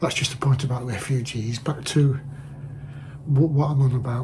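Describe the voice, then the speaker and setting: Noticeable background noise sits behind the speech. A man talks with fairly even intonation. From northern England, Salford near Manchester. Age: 70s. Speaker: woodworking YouTuber. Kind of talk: casual vlog monologue. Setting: workshop. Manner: halting, with restarts and fillers.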